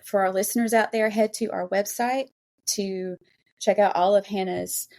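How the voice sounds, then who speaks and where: Woman, podcast host, medium pitch, effusive, casual interview chat. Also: fairly even intonation, normal speed, darkish tone.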